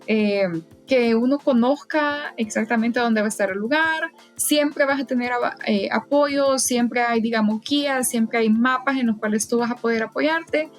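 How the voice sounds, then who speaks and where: A woman's voice: a little high, moderate pace, soft background music. A woman guest in a casual interview, talking in a hesitant way with frequent fillers and restarts. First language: Spanish. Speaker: podcast guest, event volunteer.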